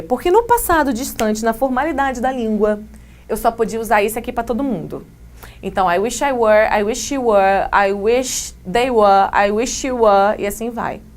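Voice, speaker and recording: A woman with a Brazilian Portuguese accent teaching English grammar in a casual, slangy video lesson, reading example sentences slowly. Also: fairly high pitch. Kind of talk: video lesson for exam prep.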